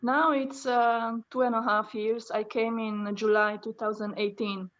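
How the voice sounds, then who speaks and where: A woman from Romania with Hungarian as her first tongue, answering interview questions in a hesitant, level voice. She pauses often with fillers. The sound is dull and lo-fi, like a video call. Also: on the high side, level tone. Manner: hesitant, many fillers, soft-spoken. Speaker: interview guest, abstract artist.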